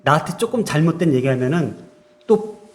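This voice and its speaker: Korean pastor preaching, fairly high voice. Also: male voice, lively intonation, fairly quick, slight background noise. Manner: conversational, self-deprecating preaching with asides and laughs; acts out short quoted exchanges in varied tones. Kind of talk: sermon. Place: church.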